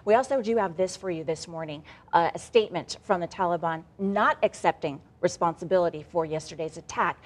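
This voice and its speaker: A woman's voice: on the low side, fairly quick, hardly any pauses. A woman anchoring a live local morning TV newscast, talking to viewers directly in a conversational way.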